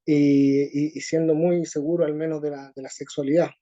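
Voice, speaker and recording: A man with a Chilean accent answering interview questions slowly, with many pauses and fillers. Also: on the high side, little pitch movement, mellow, dull audio. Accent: Chilean Spanish. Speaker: interview guest. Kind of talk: conversational interview.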